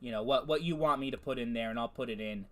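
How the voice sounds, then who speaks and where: A man's voice: mid-range voice, fast, fairly bright tone. A man hosting a casual gaming video, reacting with laughter and swearing. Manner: casual, profane, laughing, self-deprecating. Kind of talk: casual commentary reading chatbot outputs.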